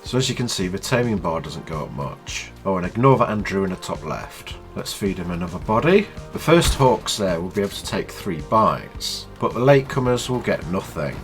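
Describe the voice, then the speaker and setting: A man with a stuffy nose from a cold, explaining a video game in a chatty, low-key tutorial. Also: sing-song, moderate pace, few pauses, soft background music. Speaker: gaming channel host.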